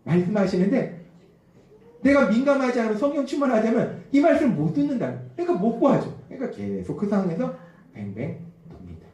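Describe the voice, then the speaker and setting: A man preaching a Sunday sermon, acting out quoted voices and dropping to a hush at times, recorded from a distance in a church. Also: high voice, fast. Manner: animated, acts out quoted voices, drops to a hush. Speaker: pastor. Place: church sanctuary. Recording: echoey church hall from a distant mic.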